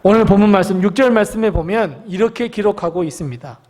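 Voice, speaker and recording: A man preaching a sermon as the pastor, dramatic, dropping to whispers and then rising to loud cries. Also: sits high, fast talker.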